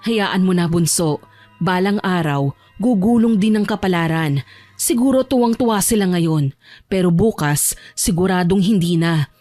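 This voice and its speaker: Woman as calm careful big sister in audio drama, measured n soothing, close dry sound, music under. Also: lowish voice, dry recording, lightly acted. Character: calm, cautious, protective older sister.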